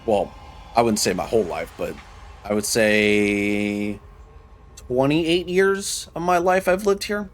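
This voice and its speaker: Speaking slowly in a lowish, expressive voice, a man in his thirties from Michigan, United States, games on stream and chats casually with his audience. He wanders off track, restarts his sentences, and answers what chat says.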